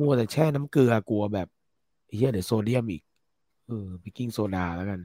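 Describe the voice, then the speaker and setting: A man's dark, mellow tone sits at a medium pitch with ordinary pitch variation, recorded in a dry, close sound with no echo. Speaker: radio show co-host. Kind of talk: casual chat. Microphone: poor audio, hissy sound.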